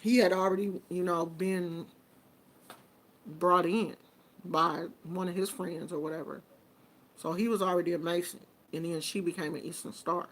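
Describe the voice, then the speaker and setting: A woman's voice: fairly low pitch, steady tone, moderate pace. A woman, hosting a casual, chatty talk with viewers in an informal manner. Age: 50s. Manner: chatty and informal, with colloquial phrasing. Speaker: host. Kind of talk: casual live chat with viewers.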